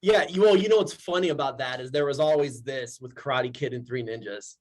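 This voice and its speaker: A man in his forties, a guest actor in a casual interview, talking with eager, animated energy and frequent laughter. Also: medium pitch, a little fast, rough recording. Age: 40s. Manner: excitable and animated, laughs often.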